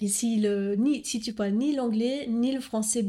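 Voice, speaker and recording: Very slow and somewhat breathy, the voice carries a dark, mellow tone with ordinary pitch variation. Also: woman. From Luxembourg. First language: Luxembourgish (speaking French). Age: 30s. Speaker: primary school teacher. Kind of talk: testimony.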